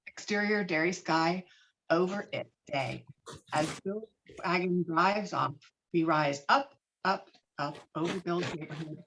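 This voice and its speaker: A woman's voice: sits low, fairly bright tone, slight background noise. A woman reading screenplay stage directions as a narrator, in scripted narration over a video call. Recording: dull, lo-fi online call audio.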